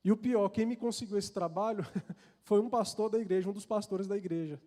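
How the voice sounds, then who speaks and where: In a big church hall with a long echo, a man with a Brazilian Portuguese accent tells a personal story in an earnest, confessional sermon. He speaks briskly in a high, warm voice with fairly even intonation, frequently restarting and repeating words.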